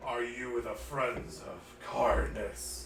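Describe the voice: Using a put-on character voice, a man speaks over clear background noise with a slight echo.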